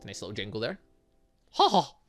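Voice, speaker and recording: This is a gaming host doing let's play commentary with very animated pitch. The delivery is rambling and excitable, moving between reading game text and exclaiming in loose asides. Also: a little fast, faint music behind.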